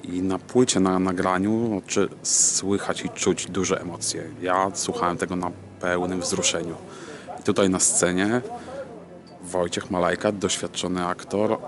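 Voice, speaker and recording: A man in his thirties talking casually to his camera as a vlog host, often halting to search for words. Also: low voice, noisy background. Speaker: video host. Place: large empty cinema auditorium, indoors. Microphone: camera at arm's length.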